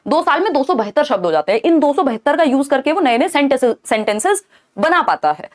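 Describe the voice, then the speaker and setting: A young woman with a high, light voice teaches an exam-prep class online. She explains each point step by step and keeps pausing to check that her listeners are following. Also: very animated. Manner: explanatory, checks in often with "thik hai". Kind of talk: online lecture.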